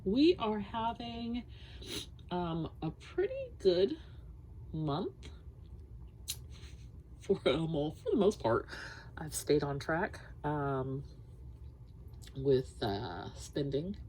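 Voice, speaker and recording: A woman's voice: low voice, very animated, very slow, long pauses, darkish tone, a little hiss or hum, poor audio. A young woman chatting through her monthly budget check-in, rambling with lots of ums, sounding stuffy and sniffly. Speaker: budget planner vlogger.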